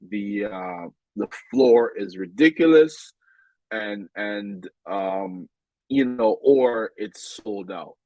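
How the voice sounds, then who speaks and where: Slow, stuffed-up nasal man. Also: medium pitch, darkish tone, no room sound, rough recording. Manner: rambling, many ums and restarts. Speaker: game vlogger. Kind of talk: casual game commentary.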